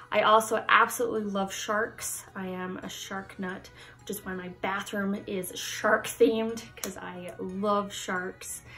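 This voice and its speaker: A young woman from the United States chatting casually to the camera in her vlog, lively and laughing often. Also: mid-range voice. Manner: chatty, laughs often, animated hand gestures. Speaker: YouTuber. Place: Halloween-decorated room indoors.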